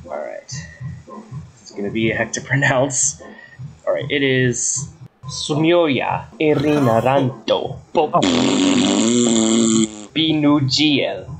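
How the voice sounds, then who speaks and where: A man giving an informal comedic presentation, halting and repeating himself as he goes. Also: medium pitch, animated, vocal fry, low-quality recording. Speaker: presenter of an invented language.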